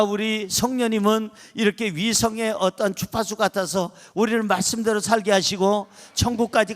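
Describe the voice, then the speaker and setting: Pastor, male, high voice, emphatic sermon delivery in a reverberant church. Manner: emphatic, repetitive affirmations. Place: church sanctuary. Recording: long reverb from a church hall.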